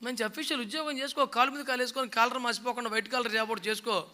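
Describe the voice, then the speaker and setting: A man's voice: very high voice, fairly even intonation, rapid-fire, pushed and bright. A man preaching a sermon in a scolding, mocking way, often acting out the people he quotes. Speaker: pastor. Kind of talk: fiery sermon.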